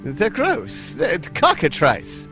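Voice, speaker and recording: A man plays an easily disgusted dwarf for a tabletop game, pitched well up from an everyday male voice. The dwarf stammers and exclaims in a flustered way, with music playing behind. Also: wildly swooping pitch, takes it slowly, pushed and bright, full character voice.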